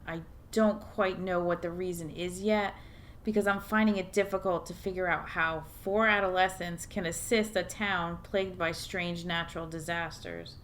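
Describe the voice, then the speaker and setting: A woman acts out a small-town mayor and mother in middle age, in audio drama style. Her voice sits at a medium pitch. She is courteous and direct, welcoming yet weighed down by concern. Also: fairly bright tone, natural voice.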